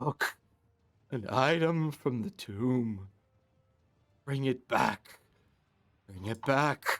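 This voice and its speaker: Using a put-on character voice, a man at medium pitch speaks at a very slow pace with long, frequent pauses. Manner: commanding, repeating.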